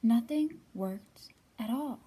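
In a library room lined with bookshelves, a woman in her thirties hosts a storytime for young children, talking and reading aloud expressively. Her voice is a little high, mellow and husky, with lively intonation and an unhurried pace.

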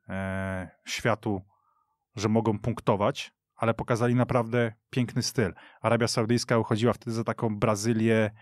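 A man on a radio football show, telling football history in an animated way with firm verdicts, speaking in a studio. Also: fairly low pitch, no room sound. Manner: animated storytelling with emphatic verdicts. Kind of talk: studio podcast discussion.

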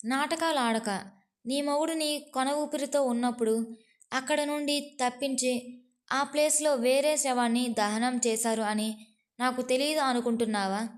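Woman voicing a harsh shouting male villain. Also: sits high, fairly even intonation, moderate pace, natural voice. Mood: menacing. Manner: harsh, demanding.

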